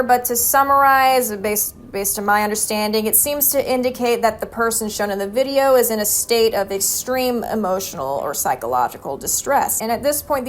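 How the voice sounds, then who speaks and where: A woman's voice: a little high, slight background noise. A young woman hosting a horror video essay, mixing scripted narration with jokey, slangy, theatrical asides.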